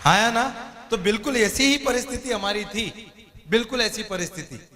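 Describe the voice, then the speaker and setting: A man's voice: high voice, moderate pace, sharp tone, some chatter behind, a little hiss or hum. A man giving a seminar talk full of stories and jokes, acting out the dialogue and often asking the audience to agree. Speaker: motivational speaker. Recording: reverberant hall.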